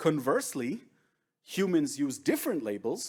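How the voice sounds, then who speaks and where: A man's tone is dark and mellow, with very wide pitch swings. He speaks at a fairly slow pace over a quiet background. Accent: Israeli. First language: Hebrew. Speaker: workshop instructor; conference presenter. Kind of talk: lecture. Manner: conversational, frequent fillers. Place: hall.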